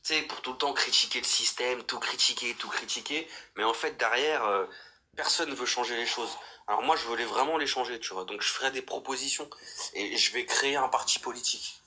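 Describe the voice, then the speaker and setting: A man's voice: mid-range voice, a little fast, sharp tone. A young man from France hosting a livestream, talking in a fired-up, rambling way with lots of restarts and fillers. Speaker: livestream host. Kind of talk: casual livestream chat.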